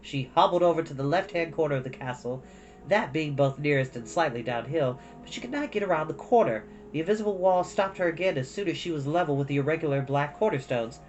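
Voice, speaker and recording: A man's voice: on the high side, animated, fast talker, highs cut off. Man hosting storytime over music. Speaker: host of an online storytime show. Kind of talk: casual livestream chat and expressive storybook reading. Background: background music.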